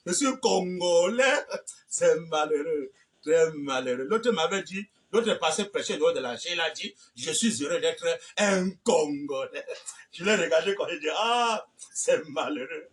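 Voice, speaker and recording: A man preaching a fiery sermon, swinging from low muttering to shouted high exclamations and repeating phrases. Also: recorded from a distance. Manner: repeats phrases with frequent "hein?" and "eh ben".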